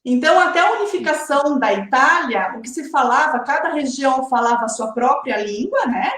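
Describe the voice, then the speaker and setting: High-voiced woman hosting a live stream. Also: lively intonation, a little fast, fairly bright tone, roomy sound. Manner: chatty, frequent tag questions. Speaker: host of a live interview series.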